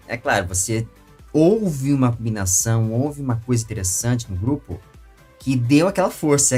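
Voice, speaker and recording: A Brazilian man with a husky voice works as an interviewer, offering long casual comments. His phrasing halts, then bursts into emphasis. There is faint music behind him. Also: medium pitch.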